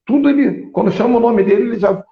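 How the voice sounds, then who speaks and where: A man imitating an anxious mother who describes her fearful son, in a higher voice. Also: fast talker, lightly acted. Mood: worried. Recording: echoey, phone-like thin sound.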